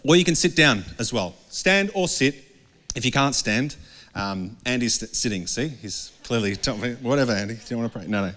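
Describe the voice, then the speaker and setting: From a dark indoor stage furnished with a couch, a middle-aged Australian pastor delivers a conversational, earnest sermon on a handheld mic and regularly asks the congregation questions. His medium-pitched voice is animated and fairly bright at a normal speed, with long hall reverb.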